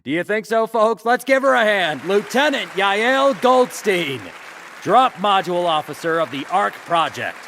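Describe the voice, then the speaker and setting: An actor playing a glib, teasing talk show host in a sci-fi audio drama, wry, theatrical and probing. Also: male voice, high voice, sing-song, measured pace, sharp tone, a faint crowd, slight background noise, exaggerated voice. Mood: showy, rousing.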